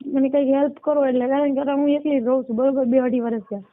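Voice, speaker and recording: A high, steady voice belongs to this fast-talking 29-year-old caller, who has a Saurashtra Gujarati accent and pleads for help while explaining her situation. The call is recorded in dull lo-fi quality.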